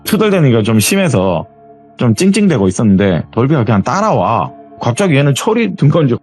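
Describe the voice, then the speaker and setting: A man's voice: mid-range voice, fairly quick, faint music behind. A man telling a true story as an interview guest in a conversational way, acting out his friends' lines as he goes. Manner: animated, acts out friends' lines in quoted dialogue; self-described grumbler.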